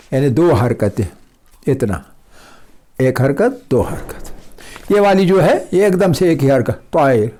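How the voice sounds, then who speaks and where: A man with a fairly high, dark-toned voice teaches a tajweed recitation lesson. He explains patiently, repeats example words slowly, and frequently checks that his listeners are following.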